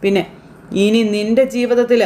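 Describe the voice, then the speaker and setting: A woman's voice: fairly high pitch, flat delivery, mellow, natural voice. A woman reading out a bitter scheming mother. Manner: slow, lightly acted reading of reported lines. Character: bitter scheming middle-aged mother turning her son.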